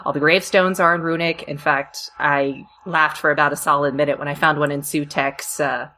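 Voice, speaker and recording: Low-pitched woman, slightly noisy podcast. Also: steady tone, normal speed, bright, forceful tone. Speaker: podcast panelist. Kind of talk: casual discussion.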